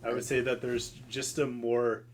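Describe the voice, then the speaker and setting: A man's voice: medium pitch, completely flat delivery, moderate pace, a crowd in the background. A man guest on a podcast in casual chat, laid-back and rambling.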